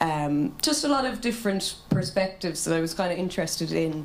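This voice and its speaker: Noticeable background noise sits behind the speaker. She is a woman with a fairly low voice and a fairly quick pace. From Ireland, Irish-speaking household. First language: Irish. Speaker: documentary maker. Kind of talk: panel discussion.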